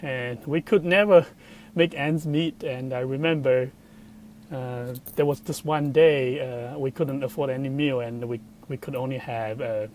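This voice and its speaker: Middle-aged male guest, Chinese accent, mid-pitched, halting conversational storytelling, some noise in the room. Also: fairly even intonation, a little mellow. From southern China. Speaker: guest, computational biologist. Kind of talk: personal story told in an interview.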